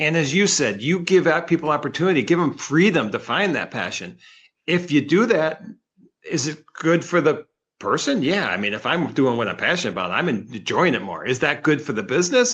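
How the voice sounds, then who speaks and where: A fairly high-pitched man, animated, with very wide pitch swings and vocal fry, at a fairly quick pace over a quiet background. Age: 60s. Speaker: firm leader. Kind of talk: casual chat. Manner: halting.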